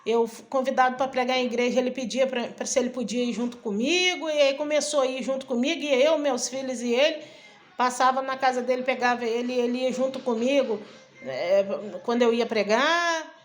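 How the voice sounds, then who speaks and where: Woman, high voice, personal testimony, chatty storytelling, soft music underneath. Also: fairly quick. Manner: chatty, strings events with frequent "aí"; acts out quoted dialogue in her own voice. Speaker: missionary and preacher.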